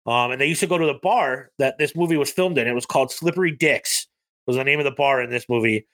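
A man's voice: mid-range voice, fast, fairly bright tone. A man co-hosting a podcast, chatting casually about movies and rambling with lots of ums and likes. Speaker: podcast co-host.

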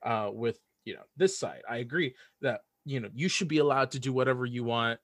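A man's voice: medium pitch, brisk, fairly bright tone, dry recording, clean studio sound. A man speaking as a podcast guest, casually and earnestly giving opinions and repeating phrases for emphasis.

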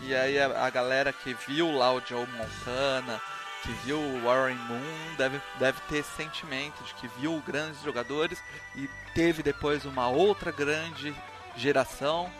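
A man's voice: mid-range voice, steady tone, measured pace. A Brazilian man hosting a casual live sports show. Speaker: host. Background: music.

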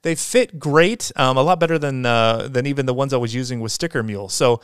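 This is a man with a smooth, resonant voice hosting a podcast on his own. He rambles cheerfully, full of fillers and restarts, in a mild manner. The sound is dry and close, with no room around it. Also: mid-range voice, fairly quick, no echo. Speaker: podcast host. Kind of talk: casual solo podcast chat.

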